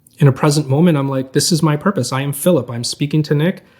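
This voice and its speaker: A man talks at a fairly quick pace and a fairly high pitch. His voice is somewhat breathy. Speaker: breathwork and meditation coach. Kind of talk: podcast interview.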